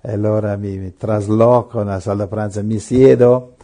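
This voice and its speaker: A man's voice: on the low side, steady tone, moderate pace, warm tone. A middle-aged man preaching on a radio program, joking and asking rhetorical questions. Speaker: pastor.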